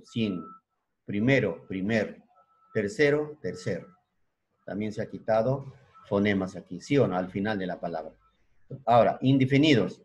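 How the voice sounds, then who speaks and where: A fairly low-pitched male teacher gives a classroom lesson. He repeats himself, drags out examples slowly and keeps asking the class if they follow. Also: a little mellow. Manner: repetitive, checks understanding with frequent "¿ya?" and "¿no?"; spells out word forms slowly, restarts words. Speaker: secondary school language teacher. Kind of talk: classroom lecture.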